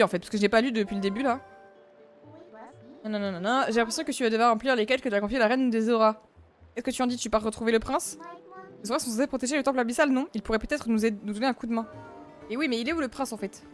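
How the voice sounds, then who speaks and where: Talking a mile a minute in a slightly high voice, this twentysomething streamer rambles to her chat while gaming. It's casual commentary over faint game music.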